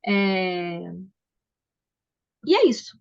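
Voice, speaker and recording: A woman's voice: mid-range voice, big pitch swings, drawn-out words, a little mellow, clear, resonant tone. A woman hosting a book club on a video call, chatty and welcoming, with frequent restarts. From Brazil. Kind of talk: casual video call chat. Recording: slightly dull video call audio.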